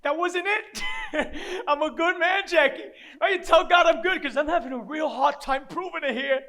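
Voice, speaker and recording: A man's voice: very high-pitched, moderate pace, sharp tone, exaggerated voice. An actor playing a down-and-out grieving father, self-loathing and desperate, rambling in streetwise, profane dramatic monologue. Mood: tearful, pleading. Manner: rambling, profane, streetwise, talking to an unseen child.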